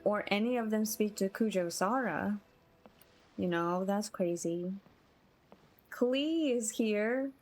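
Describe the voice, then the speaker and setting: A woman's voice: medium pitch, slow, long pauses, darkish tone. A woman livestreaming a game, chatting casually and gushing in a friendly way to her viewers. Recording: game music behind the voice.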